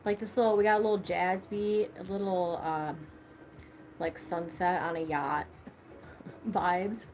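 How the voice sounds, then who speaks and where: A woman's voice: fairly low pitch, fairly even intonation, unhurried, pauses often, darkish tone, a little hiss or hum. A young woman hosting a casual livestream, chatting loosely and swearing freely while she eats. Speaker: livestream host.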